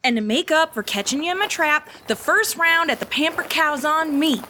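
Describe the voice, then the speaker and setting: An actress playing an eager, cheeky young village huntress in an audio drama, excitable and folksy. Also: female voice, sits high, moderate pace, a little hiss or hum. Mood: friendly, chatty.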